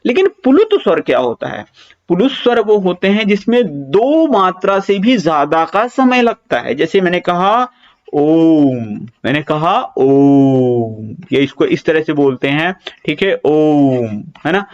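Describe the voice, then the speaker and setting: A man's voice: high-pitched, muffled recording. A male teacher giving an exam-prep lecture, repeating key points, asking and answering his own questions, and drawing out vowel sounds to demonstrate them.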